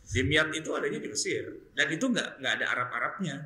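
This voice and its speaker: A man giving a casual, joking religious study talk and explaining things in an animated way. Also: fairly high pitch, fast. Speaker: Islamic teacher. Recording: roomy echo.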